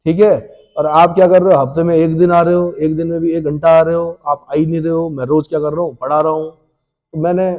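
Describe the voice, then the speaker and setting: A man's voice: fairly high pitch, little pitch movement, a little fast, darkish tone. A man teaching a classroom lecture at a coaching institute, often repeating points and drilling questions back to his students. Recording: long hall reverb.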